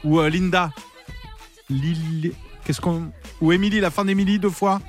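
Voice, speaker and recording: A bright-voiced man in his thirties leads a radio quiz with playful, chatty energy. He laughs easily and keeps things moving with quick banter, while faint music plays beneath his voice. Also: sits high, steady tone. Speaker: radio host. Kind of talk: upbeat radio game show patter.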